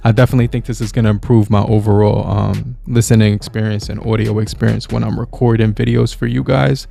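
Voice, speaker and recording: A man giving a relaxed, casual product review, talking with many halting fillers. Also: fairly low pitch, vocal fry. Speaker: gear reviewer. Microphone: podcast mixer with microphone.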